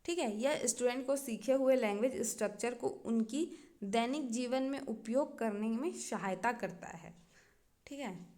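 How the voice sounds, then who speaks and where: A woman's voice: on the high side, unhurried, warm tone. A woman with a Chhattisgarh accent teaching an exam-prep lecture, explaining step by step and often checking in with her students.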